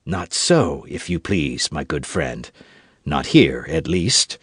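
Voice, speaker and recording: A man voicing a suave, cool-headed young musketeer with a churchman's calm, talking low and measured with a dry, mocking edge. His phrasing still rises and falls widely, read on a dry, close mic. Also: no echo. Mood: wry, composed. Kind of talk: audiobook character voice.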